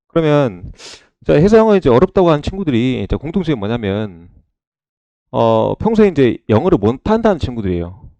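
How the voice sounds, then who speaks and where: Brief: middle-aged male lecturer, animated and mellow-toned, dry lo-fi lecture recording. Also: mid-range voice, fairly quick, no room sound. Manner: repeats "자" and checks in with "그죠?"; lively, asks the class questions.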